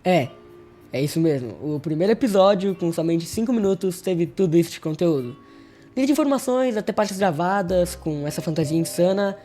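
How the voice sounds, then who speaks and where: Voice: medium pitch, a little mellow. A Brazilian host giving casual video essay commentary in an informal, conversational way, speaking directly to viewers. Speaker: host of a horror review channel.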